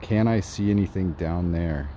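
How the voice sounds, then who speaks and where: A man reviewing gear in a casual night vlog, walking outdoors in a suburb and talking excitedly about what he sees. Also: deep voice, moderate pace, a little hiss or hum. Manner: excited, narrating while walking. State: slightly out of breath.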